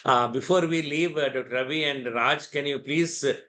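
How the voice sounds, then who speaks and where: A man co-hosting an online session, asking questions politely and haltingly. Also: on the high side, sharp tone. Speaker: co-host.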